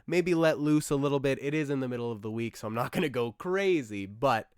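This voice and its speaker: Young man, podcast host, casual rambling, excitable, slightly rough voice, smooth and resonant, dry close sound. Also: mid-range voice, a little fast, no echo. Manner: enthusiastic, rambling, with frequent fillers and asides. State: slightly rough, losing his voice.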